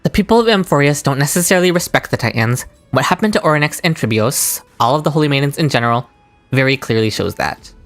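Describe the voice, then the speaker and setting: A man's voice: on the high side, expressive, quick pace. Chatty young male streamer. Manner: chatty, giggly, reacts to chat. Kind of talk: casual livestream commentary. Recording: stream with game music behind.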